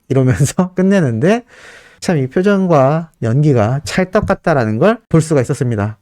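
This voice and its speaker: A man hosting a fan news channel, reading celebrity news in an earnest, lively way and asking the viewers questions. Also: fairly high pitch, dry recording, clean studio sound. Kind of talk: scripted celebrity news narration.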